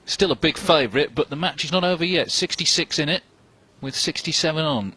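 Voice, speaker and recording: Bright-voiced man commentating on snooker. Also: on the high side, brisk, husky. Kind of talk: live sports commentary. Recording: crowd ambience and noise behind. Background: snooker arena crowd and ambience.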